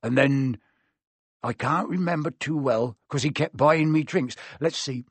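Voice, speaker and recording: A man voicing a huge, gruff, kindly half-giant gamekeeper who rambles and blurts things out, read from a storybook. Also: medium pitch, a little slow, no echo. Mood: rambling.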